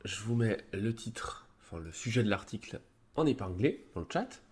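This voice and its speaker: A man with a deep, low voice talks through a psychology article on his live stream. He has a cold. He speaks casually and hesitantly, full of fillers and restarts. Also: sing-song, normal speed. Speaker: streamer presenting a psychology review.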